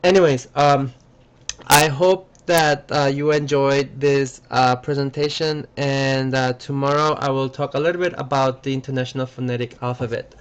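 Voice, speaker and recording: Halting male lecturer with a smooth voice. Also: medium pitch, steady tone. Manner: halting, many fillers and restarts. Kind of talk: recorded lecture.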